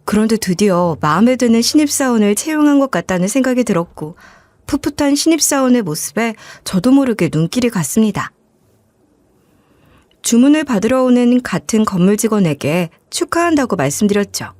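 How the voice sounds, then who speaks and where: A woman narrating a scripted life story in a gentle, even storytelling manner. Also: on the high side, fairly quick, no echo.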